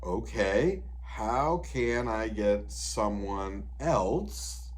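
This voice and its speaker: A man in his fifties, a disability advocate, explaining plans and supports in a relaxed interview, with frequent "you know" asides. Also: lowish voice, extremely slow. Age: 50s. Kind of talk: conversational interview advice.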